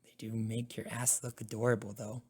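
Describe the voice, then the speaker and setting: A woman voicing a caring, dominant young college boyfriend in an ASMR roleplay, with a hushed, soothing and commanding manner. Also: rumbling low, little pitch movement, normal speed, slightly rough, voice pushed down. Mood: teasing, affectionate.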